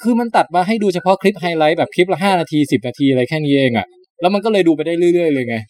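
A podcast host chatting casually, animated storytelling with crude slang. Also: male voice, on the high side, very fast, no echo, studio quality. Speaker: podcast host reviewing shows. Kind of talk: casual chat.

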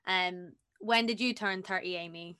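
A woman's voice: lowish voice, moderate pace, bright, forceful tone, smooth. A woman of about thirty, hosting a podcast in a casual, rambling, enthusiastic way. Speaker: podcast host.

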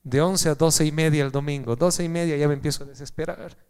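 A man preaching a sermon to a congregation, animated and joking, swinging from loud calls to hushed lines. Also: on the high side, fast, clear, resonant tone.

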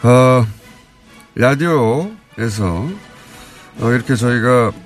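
A man's voice: mid-range voice, very slow, soft background music. A man hosting a live radio current-affairs show, talking in an informal, opinionated way with rhetorical questions.

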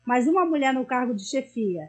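A woman with a Brazilian Portuguese accent speaks in a hoarse but high-pitched voice. As a co-host, she chats casually and reads out viewer questions. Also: lively intonation, a little fast. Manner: casual, chatty.

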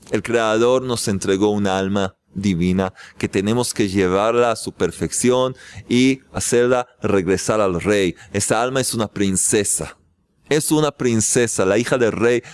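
Animated, lively male spiritual teacher. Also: mid-range voice, no echo. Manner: animated storytelling, acts out shouted scenes; emphatic repetition of key phrases. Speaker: religious teacher. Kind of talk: spiritual class lecture.

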